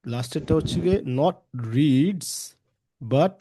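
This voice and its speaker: A man's voice: fairly high pitch, slow pace, mellow, no room sound, clean studio sound. A man teaching an English pronunciation class, explaining step by step, repeating example words and checking in with students. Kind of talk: online class lesson in Bengali with English terms.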